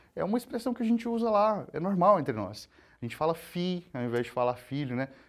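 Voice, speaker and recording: Very wide pitch swings at a fairly quick pace in a strong Goiás accent, on a very clean recording with a silent background. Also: man. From Brazil, Goiás (Goiânia). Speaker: teacher. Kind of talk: lecture. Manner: casual, conversational.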